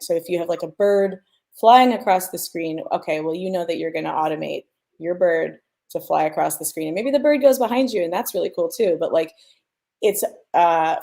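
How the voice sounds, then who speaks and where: A woman's voice: low-pitched, vocal fry, darkish tone. A woman giving an informal technical explanation as a sound designer, thinking aloud and checking in with the listener. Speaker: sound designer, panel speaker.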